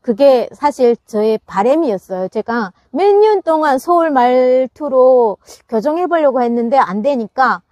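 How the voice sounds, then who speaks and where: A woman's voice: high voice, lively intonation, a little slow, hardly any pauses, darkish tone, no echo, lo-fi sound. A woman chatting casually to her viewers about gardening, laughing often and restarting her sentences as she talks. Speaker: gardening channel host. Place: farm greenhouse.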